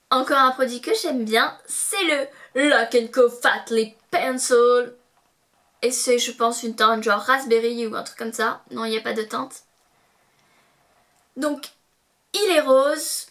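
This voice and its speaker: Bubbly bright-voiced young woman vlogger. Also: on the high side. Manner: bubbly, excitable, playful repeated sing-song words. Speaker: beauty vlogger. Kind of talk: casual product review to camera.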